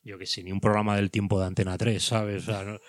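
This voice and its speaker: A man from Spain in a casual podcast chat, animated and swearing, laughing often. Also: on the low side, fast. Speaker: podcast co-host.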